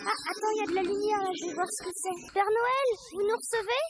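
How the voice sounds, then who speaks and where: A woman's voice: very high voice, fast talker, music in the background. A woman voicing an eager, wide-eyed child helper in a children's promotional video. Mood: eager, excited. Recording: noisy old VHS tape with clicks.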